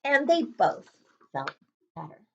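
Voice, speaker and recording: Animated high-voiced woman reading to children. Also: slow pace, dull audio. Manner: expressive, speaks directly to young children. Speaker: read-aloud host, librarian. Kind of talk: children's storybook read-aloud with friendly asides.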